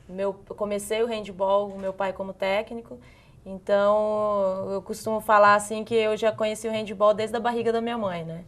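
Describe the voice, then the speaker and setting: A young woman from northern Paraná speaks with that region's accent as a guest in a TV studio. She answers the host's questions in a soft, chatty way and laughs easily. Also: medium pitch, level tone, normal speed. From northern Paraná, Brazil. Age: young adult. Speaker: handball player guest. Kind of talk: casual interview answers.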